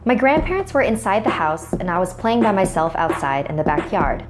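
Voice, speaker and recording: A young woman telling a scary first-person story in a measured, suspenseful way, narrating over a music bed. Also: lowish voice, sing-song.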